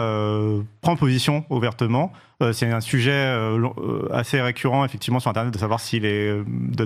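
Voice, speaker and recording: A man in his thirties speaks quickly, piling up fillers and restarting his sentences. His pitch sits in an ordinary middle range as he lays out his view in a political discussion. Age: 30s. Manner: fast, hesitant, many fillers and restarts. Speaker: journalist and campaign organizer.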